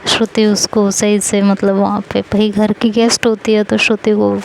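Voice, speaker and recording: A woman's voice: mid-range voice, little pitch movement, normal speed, gravelly, a little mellow, slight background noise, low-quality recording. A woman narrating a love story in a casual, chatty way, retelling each scene. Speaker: audio story teller.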